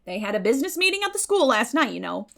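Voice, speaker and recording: A woman performs a bustling, stout older village woman from a classic storybook. She is blunt and opinionated, with a folksy, emphatic delivery that swoops high and crackles with creak. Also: very animated, fast talker, fairly bright tone, full character voice. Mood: gossipy, brisk. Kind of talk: dramatic audiobook reading of a classic novel.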